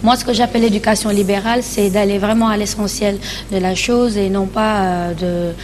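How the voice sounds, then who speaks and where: A woman's voice: mid-range voice, fairly even intonation, fairly quick, a little mellow. Young Senegalese woman, TV interview guest, mid voice, hesitant, code-switching, faint studio hiss. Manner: hesitant, many fillers, mixes French and Wolof. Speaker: guest, author and TV presenter. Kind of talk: casual TV interview. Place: TV studio set.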